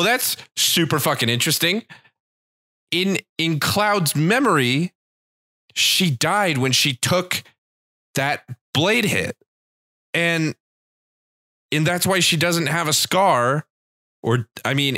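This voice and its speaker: A man's voice: on the high side, pushed and bright, dry recording, clean studio sound. A man with a congested, nasal voice giving loose, rambling let's-play commentary and swearing freely. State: congested from allergies, tired throat. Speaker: gaming channel host. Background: game music.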